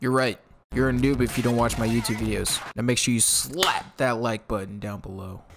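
Noticeable background noise runs under this man's speech. He talks at a moderate pace and a medium pitch. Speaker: gaming youtuber. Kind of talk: casual gameplay chat. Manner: casual, energetic.

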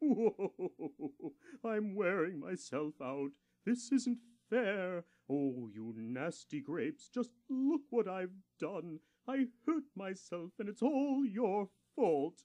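In a cartoonish character voice, a man speaks very slowly at a high pitch with very wide pitch swings. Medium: puppet. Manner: theatrical, excitable.

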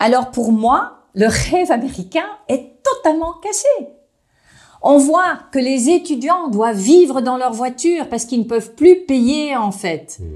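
Against a quiet background, a woman speaks very slowly at a high pitch with very wide pitch swings. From California. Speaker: climate policy expert; interview guest. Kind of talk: interview. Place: office. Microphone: lapel.

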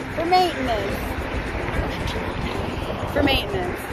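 A woman's voice, dry with no echo, over background music. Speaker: vlogger. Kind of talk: casual vlog chat. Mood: relaxed, cheerful. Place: street. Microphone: phone near.

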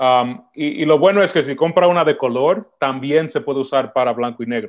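In an unremarkable speaking voice, a man talks at a fairly quick pace and a fairly high pitch, with ordinary pitch variation against a quiet background. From New York, Dominican-American family. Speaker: film photographer; podcast guest. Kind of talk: casual interview. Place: home room. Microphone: video call.

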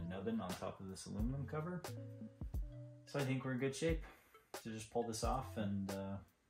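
Clear music plays in the background while a man with a fairly low pitch speaks at a moderate pace. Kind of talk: casual tutorial commentary. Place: garage. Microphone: camera far.

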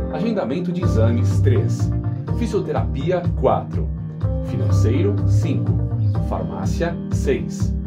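Loud music plays behind a man who speaks at a very slow pace, with long, frequent pauses. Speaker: professional voice-over artist, voice actor and voice coach. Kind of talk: humanized IVR phone-menu recording. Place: booth.

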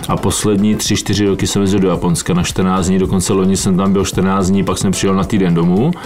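A man speaks in a fairly low pitch. Faint music sits in the background. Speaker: guest. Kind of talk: interview answer. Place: studio. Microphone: studio mic.

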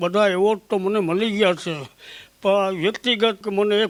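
A high-pitched man with fairly even intonation. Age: 80s+. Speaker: folk drummer. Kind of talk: thank-you speech.

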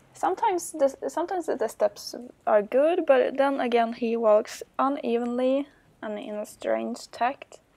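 A woman's high-pitched voice with a Finnish accent, a dark, mellow tone, lively intonation, big swings in loudness and a fairly slow pace. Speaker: dressage rider. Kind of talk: video voice-over narration.

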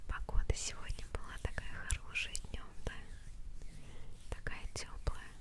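Leaving long, frequent pauses, the woman talks at a fairly slow pace. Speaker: ASMR performer in caretaker role play. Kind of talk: ASMR personal attention role play. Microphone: studio mic.

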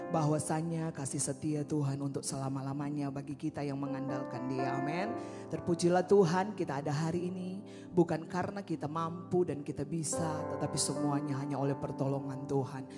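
A woman speaks at a fairly quick pace with ordinary pitch variation. Clear music plays in the background. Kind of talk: prayer leading, worship exhortation. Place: church. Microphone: handheld.

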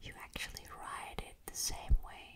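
A woman whispers. She goes at a very slow pace. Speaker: ASMR creator. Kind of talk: ASMR trigger words repeated in a whisper. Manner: whispered, soft. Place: home room. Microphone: studio mic.

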